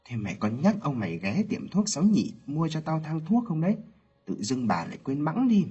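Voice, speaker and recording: A man voicing a sharp-tongued, doting elderly village matriarch who scolds and wails theatrically. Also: huge pitch swings, fairly quick, slightly rough, exaggerated voice. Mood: imperious. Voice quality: shrill wailing scolding. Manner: theatrical lamenting cries. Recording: lo-fi with faint music.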